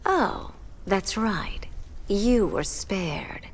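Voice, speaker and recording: A woman's voice: medium pitch, lively intonation, drawn-out words, heavily acted. An actress playing a sultry, scornful female villain in a video game, speaking in a purring, taunting way.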